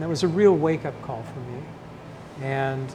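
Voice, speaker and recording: There is noticeable background noise and audible room echo as a man speaks in a fairly high voice. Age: 60s. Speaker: patient, retired physician. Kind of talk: interview testimony.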